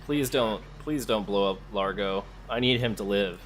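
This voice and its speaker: A let's play host offers casual commentary on his game, musing aloud, addressing the characters, and now and then reading in-game text. His voice is fairly low and moderately paced, with slight background noise.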